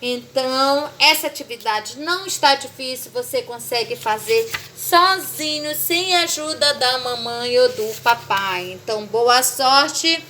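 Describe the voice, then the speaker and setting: High bright-voiced teacher explaining. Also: female voice, measured pace, hardly any pauses, slight background noise. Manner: patient, repeats "tá?" to check understanding. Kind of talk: remote class explanation.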